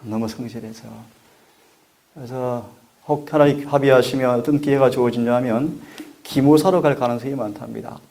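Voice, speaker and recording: A middle-aged man delivers a sermon as a pastor, speaking in an earnest, measured way. His voice sits at an ordinary pitch with a gravelly edge. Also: darkish tone. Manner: earnest, measured preaching with prayer requests.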